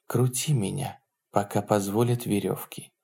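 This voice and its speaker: Man doing a domineering Roman empress, hushed breathy girlish voice, teasing, audiobook. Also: mid-range voice, animated, moderate pace, natural voice. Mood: whispering. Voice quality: soft, breathy, girlish-sounding whisper. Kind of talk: audiobook character voice.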